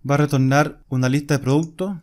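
A man's voice: on the high side, steady tone, fairly quick, a little mellow. A man, explaining a coding screencast step by step while he types. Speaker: programming instructor. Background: keyboard typing and clicks.

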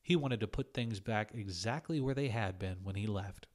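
A man's voice: fairly low pitch, normal speed, darkish tone. A man narrating a short story as a scripted audiobook reading. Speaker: audiobook reader.

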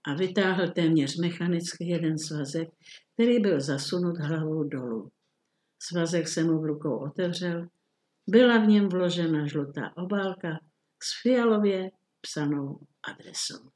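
A woman calmly narrating a classic short story as an audiobook reading, measured and even. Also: on the low side.

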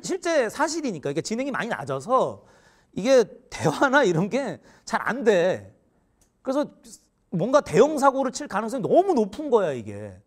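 High, lively male teacher telling stories. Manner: animated, often laughing mid-sentence. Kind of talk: humorous storytelling lecture.

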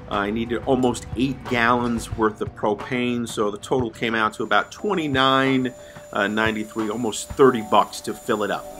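A middle-aged RV vlogger with a mid-range voice chats casually and upbeat, using lots of fillers, in a travel vlog with voice-over. He films on a phone held at arm's length, first inside a car and then outdoors by an RV, with a music bed of background music playing beneath his voice.

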